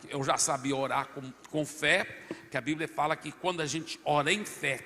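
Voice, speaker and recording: A man, a guest pastor, telling his personal testimony with animated swings between loud and soft. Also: on the high side, moderate pace, big-room sound, slight background noise.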